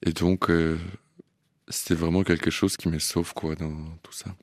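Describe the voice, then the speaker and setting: Brief: man, very low voice, dry close sound, halting radio guest. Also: flat delivery, no room sound. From Ukraine. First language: Russian and Ukrainian. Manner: hesitant, many fillers and restarts, laughs softly. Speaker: interview guest. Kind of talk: radio interview.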